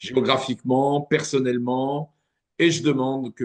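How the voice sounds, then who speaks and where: The speaker is a man with a medium pitch. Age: 60s. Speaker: business owner. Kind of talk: interview. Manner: halting.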